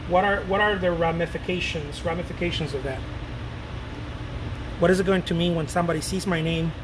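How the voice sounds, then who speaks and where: A man in his late thirties talking casually to his viewers as a painter, loose and animated, repeating words and swearing now and then. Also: a little high, a little fast, noisy background. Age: 30s. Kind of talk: casual rambling talk to camera.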